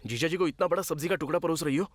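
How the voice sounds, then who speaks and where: A man's voice: on the high side, rapid-fire, no echo, clean studio sound, natural voice. A man dubbing a fussy young man who fawns over his brother-in-law and pleads with him. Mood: fussing. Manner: pleading and fussing. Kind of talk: dubbed film acting.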